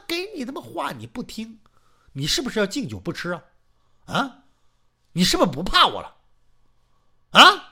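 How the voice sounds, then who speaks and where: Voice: medium pitch, fairly bright tone, voice pushed up. A storyteller voicing a greedy, lecherous old father-in-law who bullies and swears. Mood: bullying. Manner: coarse, bullying, swearing.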